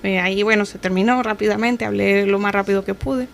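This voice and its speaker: A woman's voice: medium pitch, steady tone, a little fast, gravelly. Colombian woman with faint background noise. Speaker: guest giving her testimony. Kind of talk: personal storytelling, conversational radio testimony.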